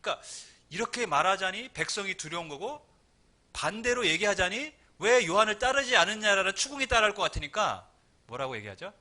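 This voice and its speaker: A man's voice: high-pitched, big pitch swings, a little fast, bright, forceful tone. A man preaching a Sunday sermon in a conversational way, acting out little quoted exchanges as he explains. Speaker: pastor.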